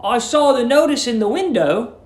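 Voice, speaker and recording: A man voicing a polite, hesitant young English gentleman who speaks courteously with some stammering. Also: extremely high pitch, animated, moderate pace, roomy sound, pitched above the performer's own voice. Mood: nervously polite.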